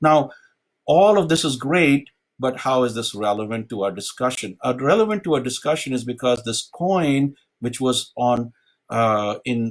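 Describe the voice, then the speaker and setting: A man speaks at a fairly slow pace with lively intonation and a medium pitch. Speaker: coin historian giving a talk. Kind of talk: online lecture. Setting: live stream. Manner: hesitant with many fillers.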